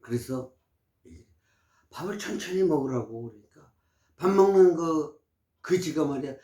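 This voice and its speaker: A man's voice: a little high, animated, a little slow, dark tone. A man in his sixties giving health advice in casual, emphatic, preachy talk to camera. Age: 60s. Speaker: vlogger. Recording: roomy echo.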